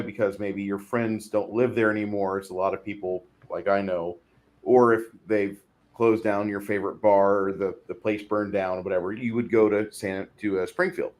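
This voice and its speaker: Casual podcast co-host, a man from Illinois, lower voice, rambling delivery. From Illinois, USA.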